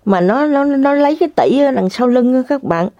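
A woman tells a story straight to her viewers, full of dramatic exclamations. Her voice is mellow and warm. The recording is dry and a little dull and lo-fi. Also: sits high, lively intonation, fairly quick, no room sound.

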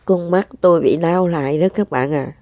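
A woman's voice: fairly low pitch, normal speed, darkish tone, no echo. An older woman telling a personal spiritual testimony to her listeners, earnest and repeating herself. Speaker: spiritual practitioner sharing testimony. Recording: dull lo-fi sound.

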